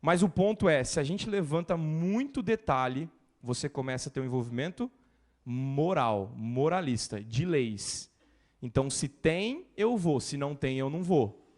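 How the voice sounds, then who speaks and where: A male pastor preaching a sermon in a lively way, mimicking complaining churchgoers. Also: a little high, a little slow.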